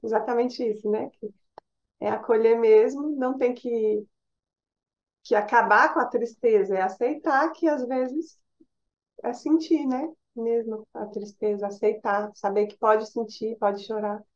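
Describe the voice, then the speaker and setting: Brazilian woman moderator, slightly high voice, conversational, lo-fi dull audio. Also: steady tone, unhurried. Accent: Brazilian Portuguese. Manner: summarizing, conversational. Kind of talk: moderating a discussion circle.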